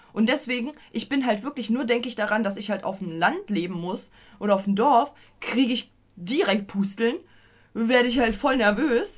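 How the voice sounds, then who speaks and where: An animated woman speaks at a moderate pace in a fairly high voice with ordinary pitch variation. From German small town. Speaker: podcast co-host, streamer. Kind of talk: casual chat.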